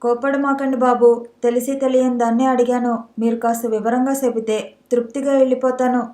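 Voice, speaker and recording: A woman's voice: a little high, flat delivery, fairly quick, mellow, echoey room, close to an everyday voice. A woman voicing a frank, earnest village maidservant who speaks in rustic village dialect. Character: village maidservant, middle-aged, earnest and blunt.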